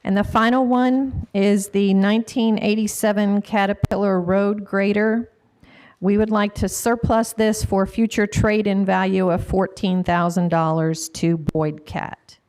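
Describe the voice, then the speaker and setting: A woman's voice: mid-range voice, fairly even intonation, unhurried, darkish tone, clear, resonant tone. An American woman, a county staff member, presenting items informally at a government meeting and correcting herself as she goes. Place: local government meeting room.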